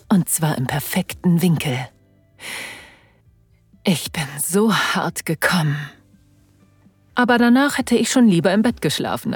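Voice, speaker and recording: A woman playing a breathy, teasing lover. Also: low voice, a little mellow, no room sound, full character voice. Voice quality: breathy, often whispered. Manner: teasing, slow and sensual. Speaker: first-person narrator and lover. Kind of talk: erotic audio drama.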